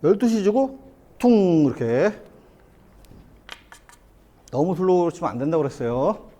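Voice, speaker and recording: Lively warm-voiced man teaching billiards. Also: fairly high pitch, a little slow. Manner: explains step by step, asks the viewer rhetorical questions. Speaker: billiards instructor. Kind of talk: hands-on lesson, talking while playing. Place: billiard hall, indoors.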